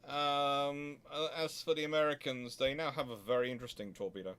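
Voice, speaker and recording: A man's voice: medium pitch, fairly even intonation, a little fast, fairly bright tone, clear, resonant tone. Rambling man thinking aloud. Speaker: host answering viewer questions. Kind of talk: casual off-the-cuff question-and-answer commentary.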